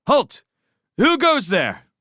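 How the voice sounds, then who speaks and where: A man voicing a bold young male mouse warrior who calls out high, ringing commands. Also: wildly swooping pitch, slow pace, no echo, clean studio sound, exaggerated voice. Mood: commanding. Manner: shouted high ringing challenges.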